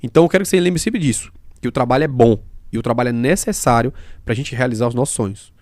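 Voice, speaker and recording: A man's voice: mid-range voice, darkish tone, no echo, clean studio sound. A man hosting a casual podcast conversation, explaining points emphatically with examples. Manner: fast-talking. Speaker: podcast host.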